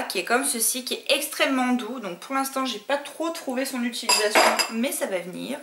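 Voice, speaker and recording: A woman's voice: a little high, sharp tone, reverberant. A woman talking casually and enthusiastically to camera in a beauty haul video, with lots of fillers. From France. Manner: chatty, enthusiastic, many fillers. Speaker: beauty vlogger. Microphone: camcorder mic.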